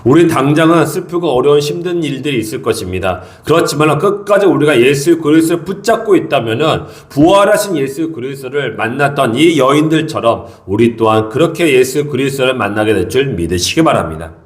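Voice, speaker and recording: A man's voice: mid-range voice, lively intonation, a little fast, hardly any pauses. A middle-aged male pastor preaching an early morning sermon, explaining scripture earnestly and repeating his key points for emphasis.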